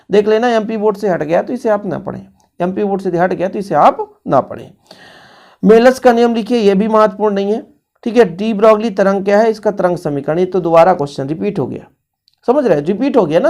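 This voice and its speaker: A man's voice: high-pitched, darkish tone. A male physics teacher, going over exam revision questions in a casual, brotherly tone and talking straight to his students.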